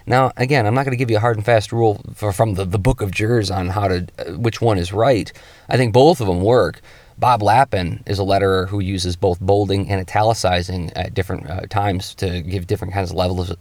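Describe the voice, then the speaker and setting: A man's voice: fairly low pitch, darkish tone, dry recording. A man giving an informal spoken tutorial as a show host, thinking aloud conversationally and shifting his voice emphatically to stress points. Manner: conversational, thinking aloud with frequent self-interjections. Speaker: comics artist hosting a lettering show.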